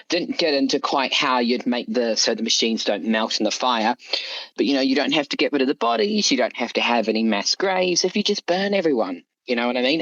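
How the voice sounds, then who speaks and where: A man talks informally as a podcast guest. His voice is medium in pitch, and the recording is a little lo-fi and muffled. He explains things in a loose, conversational way. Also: a bit bright. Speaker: interview guest, story author. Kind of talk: casual interview chat.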